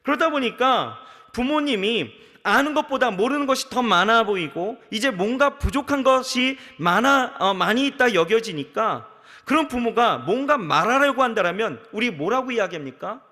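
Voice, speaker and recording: A man's voice: very high voice, moderate pace. A pastor preaching a sermon to his congregation, speaking right to them and acting out the voices of the people in his stories. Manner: animated preaching, acts out quoted voices, addresses congregation directly. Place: large church sanctuary. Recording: reverberant large church sanctuary.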